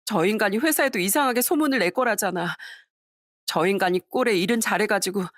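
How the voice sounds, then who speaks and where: A woman's voice: medium pitch, a little fast, no echo, clean studio sound, lightly acted. A woman voicing an angry middle-aged husband who confronts the man bothering his wife, in a harsh, commanding way. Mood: upset. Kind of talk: dramatized story reading.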